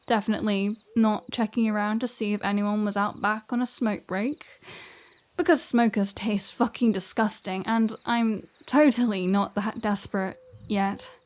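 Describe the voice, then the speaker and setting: A woman acts out a flirty female vampire in an ASMR-style audio roleplay. She sits at a middling pitch and talks straight to the listener, wry and teasing. Her delivery is chatty and sarcastic, with a self-serving streak. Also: steady tone, normal speed, natural voice. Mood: sardonic, chatty. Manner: teasing, wry, conversational with sighs and asides.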